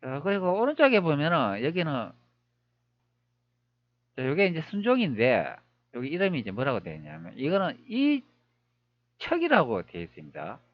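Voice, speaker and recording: Man musing aloud over images, lively pitch. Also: moderate pace, pauses often, no echo, highs cut off. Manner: musing aloud with many rhetorical questions. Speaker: history video creator. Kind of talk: screen-recorded commentary.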